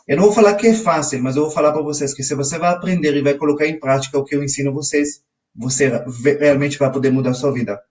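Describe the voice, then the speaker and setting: A man's voice: on the high side, fast, darkish tone, distant mic. A man in his forties with an Israeli accent, teaching a live financial webinar and often checking in with his viewers. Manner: talks straight to his audience, often checking in with "ok?". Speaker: financial educator.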